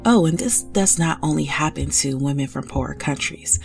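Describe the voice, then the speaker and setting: A woman's voice: sits low, moderate pace, creaky, darkish tone, faint music behind. A woman hosting a true-crime podcast, talking through a case in a conversational way, thinking aloud with frequent asides. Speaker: podcast host.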